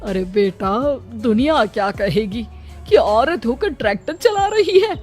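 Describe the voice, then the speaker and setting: An anxious elderly mother-in-law from a village cartoon speaks slowly and pleadingly. Her voice sits a little high and unhurried. Soft music plays beneath her. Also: lively intonation. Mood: worried. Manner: slow, pleading, fretful. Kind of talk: cartoon voice acting.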